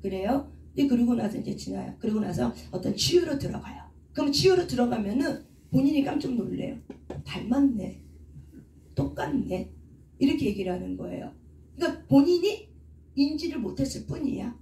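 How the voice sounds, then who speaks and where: A woman's voice: high-pitched, expressive, fairly quick, dark tone, distant mic, slight background noise. Woman preaching in an echoey hall. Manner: asks rhetorical questions and answers them herself. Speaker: counselor and preacher. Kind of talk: teaching sermon with questions to the congregation. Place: church prayer hall. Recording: echoey room, speaker away from the mic.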